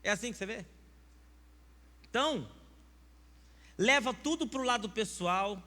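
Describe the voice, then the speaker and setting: A man's voice: high voice, expressive, unhurried, bright, forceful tone. A man with a Brazilian Portuguese accent preaching a sermon as pastor, emphatic and firing rhetorical questions at the congregation. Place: church sanctuary. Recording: church hall reverb with faint mains hum.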